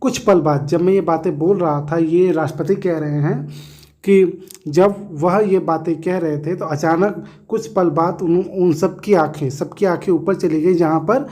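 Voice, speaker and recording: A man's voice: a little high, unhurried, a little mellow. A man teaching a textbook lesson, explaining word meanings with everyday examples, often checking in with a tag question and correcting himself.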